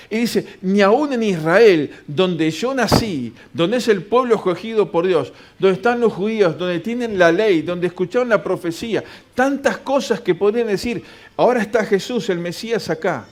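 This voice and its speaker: Preacher, man, slightly high voice, reads scripture and answers his own questions in a sermon. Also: lively intonation, unhurried. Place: church.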